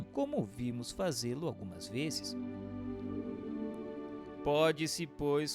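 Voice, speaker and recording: A Brazilian man reading a book aloud as a narrator, in a formal, declamatory and deliberate scripted delivery. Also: a little high. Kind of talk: scripted audiobook-like narration of a spiritist treatise.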